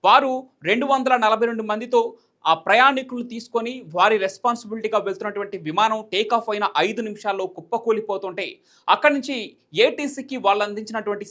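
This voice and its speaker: A male news presenter talks at a rapid clip. He explains things emphatically and circles back over his points in a commentary style. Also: high-pitched, sharp tone.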